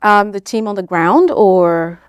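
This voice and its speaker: A woman's voice: mid-range voice, animated, measured pace, clean tone, no room sound. A woman from Kenya answering interview questions in an informal, explanatory, conversational way. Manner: informal, explanatory, frequent "like" and "you know". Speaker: interview guest, nonprofit founder.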